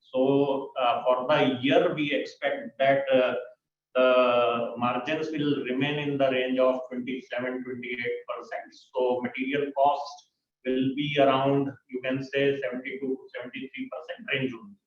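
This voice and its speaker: A man answering as a finance executive on an earnings call in a measured, matter-of-fact way. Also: medium pitch, flat delivery. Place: conference call. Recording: muffled, distant, echoey conference call.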